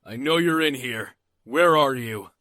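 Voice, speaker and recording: A man's voice: medium pitch, bright, forceful tone, no echo, pitched above the performer's own voice. Man playing an angry homeowner hunting an intruder. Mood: angry, menacing. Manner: menacing, taunting, drawn-out calls. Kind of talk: audio drama acting.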